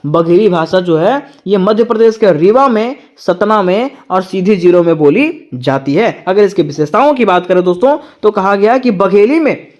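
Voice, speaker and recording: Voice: medium pitch, lively intonation, normal speed, few pauses, darkish tone, lo-fi sound. Tutor quizzing themselves through exam notes. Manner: answers own rhetorical questions; repeats each point twice. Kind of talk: exam-prep lecture.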